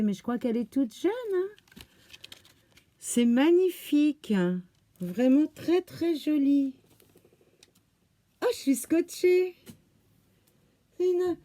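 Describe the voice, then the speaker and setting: A woman hosting a craft channel, gushing with oohs and exclamations as she slowly unpacks crafts in casual chat. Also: on the high side, dark tone, dry recording. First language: French. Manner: slow, thinking aloud as she unpacks.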